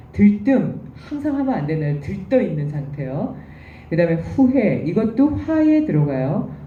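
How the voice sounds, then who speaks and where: A woman with a low, very dark and mellow voice lectures patiently, her pitch rising and falling in a lively way. She sounds set back from the mic in an echoey room, and the recording is dull. A faint hiss of room ambience sits behind her. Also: recorded from a distance. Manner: patient explanatory teaching.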